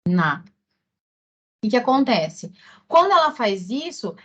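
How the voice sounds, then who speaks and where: A woman with a Brazilian Portuguese accent, lecturing as a teacher for exam preparation, explaining slowly with many fillers and repeated words. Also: medium pitch, a bit bright, lo-fi sound.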